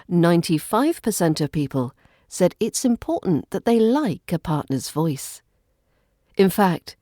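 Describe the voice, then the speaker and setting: A woman with a mellow, slightly low voice speaks in a modern British RP accent, very dry and close. She narrates a scripted English lesson as a teacher, enunciating each phrase carefully for learners. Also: no room sound.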